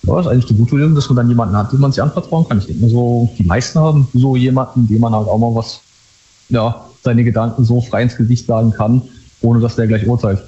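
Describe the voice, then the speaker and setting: A man's voice: mid-range voice, steady tone, fast, mellow. A man calling in to a radio show, talking casually and searching for words. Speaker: caller. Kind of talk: casual phone chat on the radio. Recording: dull lo-fi phone line.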